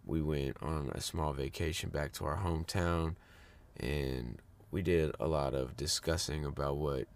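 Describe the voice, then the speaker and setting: A man's voice: very deep voice, creaky. A man hosting a fitness podcast in a casual, rambling monologue, sounding a bit congested. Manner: upbeat, rambling with fillers and restarts.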